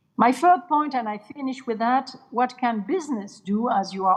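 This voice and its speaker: A woman with a French accent speaks in a somewhat breathy voice. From France. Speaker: former European politician and academic panelist. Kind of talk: conference speech. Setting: conference stage with audience. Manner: hesitant, with frequent fillers and repetitions.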